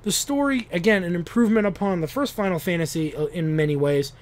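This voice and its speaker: A man's voice: high voice, fast. A man, host of a retro game talk show, rambling in a casual monologue full of swearing and restarts. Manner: rambling, profane, restarts often.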